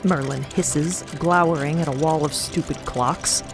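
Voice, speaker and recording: A woman's voice: low voice, fairly even intonation, a little slow. A woman giving scripted dramatic narration as the narrator of a fiction podcast. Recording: clear music bed behind.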